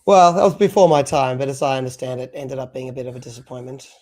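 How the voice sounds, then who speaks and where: Here a fast-talking podcast co-host with a mid-range, darkish voice rambles casually through a live stream, filling gaps with many fillers. He moved from overseas to Australia at three.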